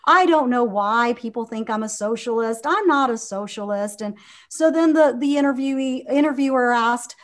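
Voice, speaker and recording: Earnest woman in her 50s, kinda high voice, lots of ums and restarts. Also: expressive, normal speed. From Venezuela. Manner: earnest, with frequent fillers and restarts. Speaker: guest. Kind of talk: conversational interview.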